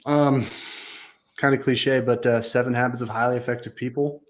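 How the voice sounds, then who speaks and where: A man's voice: medium pitch, fairly even intonation, normal speed. A man speaking as a guest on a casual podcast, earnest and enthusiastic, with casual slang. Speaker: podcast guest, business leader.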